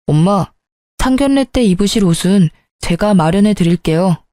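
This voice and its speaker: A woman voicing an earnest young adult son who turns sharp and irritable, speaking in clipped, pleading sentences. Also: mid-range voice, lively intonation, moderate pace, dry recording, studio quality, lightly acted.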